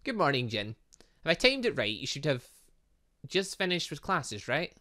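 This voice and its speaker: A man reading a playful, scheming middle-aged mother from a game, in a slightly lower, smooth tone. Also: sing-song, normal speed, sharp tone. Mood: coy scheming.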